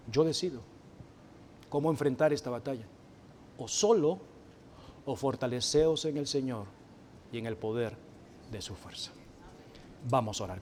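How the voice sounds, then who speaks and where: A man preaching a church sermon to his congregation, moving from hushed, slow phrases to loud, emphatic declarations. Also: mid-range voice, slight background noise. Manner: addresses the congregation directly and calls people up to the front.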